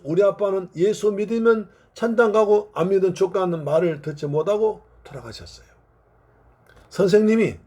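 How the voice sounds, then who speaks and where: A man's voice: high voice, mellow. A male pastor voicing a grieving young child who pleads and accuses in a tearful voice while retelling a story in a sermon.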